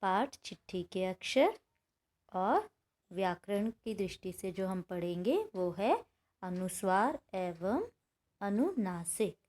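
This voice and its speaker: A woman's voice: mid-range voice, very animated, slow, a little mellow. A woman teacher explaining a grammar lesson, patiently sounding out example words aloud.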